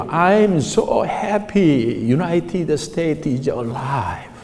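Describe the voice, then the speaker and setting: A man puts on a character voice, fairly high in pitch and shaky. He speaks very slowly over light background noise. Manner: emotional, joyful.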